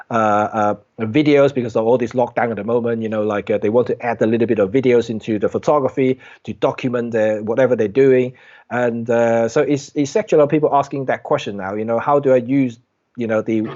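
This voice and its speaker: A man's voice: medium pitch, darkish tone. A man chatting casually as a guest photographer on a live stream, rambling with many fillers and restarts. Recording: dull lo-fi stream audio.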